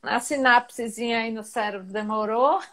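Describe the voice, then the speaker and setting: Woman, host, high-pitched, lively, conversational, casual interview. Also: normal speed. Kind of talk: casual video-call interview.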